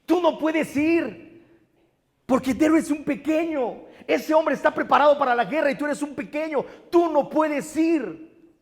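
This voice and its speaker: A man voicing an anxious old king who pleads in high, drawn-out warnings. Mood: pleading. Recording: long reverb of a big hall.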